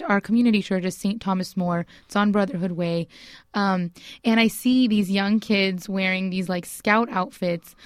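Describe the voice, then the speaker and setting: Female interviewer, mid-range pitch, casual conversational questioning, recorded very dry with no room sound. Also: smooth, no echo.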